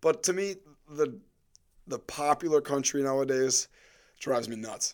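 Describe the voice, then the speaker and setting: A man with an American accent, fairly high pitch and a moderate pace. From US Midwest, small-town Wisconsin. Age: 20s. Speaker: fitness coach. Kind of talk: casual chat.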